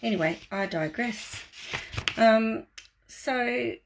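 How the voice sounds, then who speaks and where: A woman with a soft voice hosting a spiritual livestream, talking gently and rambling, with many fillers, and now and then reading aloud from her newsletter. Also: fairly high pitch, takes it slowly, creaky, background noise. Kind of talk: casual spiritual talk to live viewers, reading from her newsletter.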